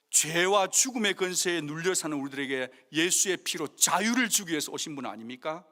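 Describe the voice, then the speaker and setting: A man preaching a sermon as pastor, dramatic, swinging between forceful rebukes and hushed asides. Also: sits high. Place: church sanctuary. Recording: long reverb of a church hall.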